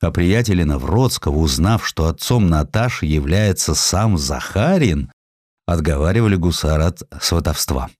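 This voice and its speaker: Deep-voiced, animated male storyteller. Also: moderate pace, no room sound, studio quality. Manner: expressive, theatrical storytelling. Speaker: audiobook narrator. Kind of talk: dramatised literary narration of a historical tale.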